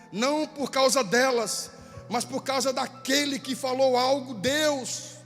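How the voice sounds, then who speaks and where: A pastor from southern Brazil, speaking with a Brazilian Portuguese accent and a very high voice, preaches a fervent Pentecostal sermon in a church sanctuary. He repeats phrases and builds up to shouting. The church hall carries a long reverb, with faint music underneath.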